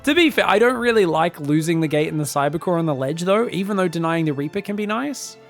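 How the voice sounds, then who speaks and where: A man casting a strategy game on his own, excitable on big plays and analytical in replays, his voice phlegmy after being sick. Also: a little high, fast talker, faint music behind. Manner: excitable, shouts on big plays, then breaks down mistakes. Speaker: esports caster. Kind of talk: solo game commentary.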